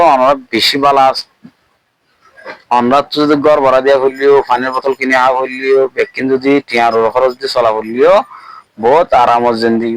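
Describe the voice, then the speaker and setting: A man's voice: mid-range voice, fairly bright tone, dry recording, poor audio. Rohingya man in dry, close sound. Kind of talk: informal spoken commentary.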